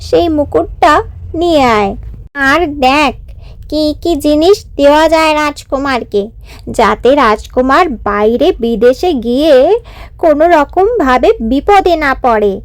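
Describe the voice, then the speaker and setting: Woman as a high-voiced, anxious queen mother. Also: lively intonation, a little slow, no echo. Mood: commanding. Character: anxious, doting queen mother, dramatic and commanding. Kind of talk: cartoon fairy-tale acting.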